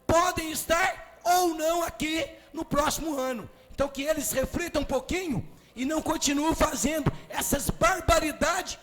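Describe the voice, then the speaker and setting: A Brazilian city councilman with a Minas Gerais accent giving a forceful, emphatic speech in the council chamber, often raising his voice. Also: extremely high pitch, moderate pace. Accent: Brazilian Portuguese, Minas Gerais. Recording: reverberant chamber with faint music.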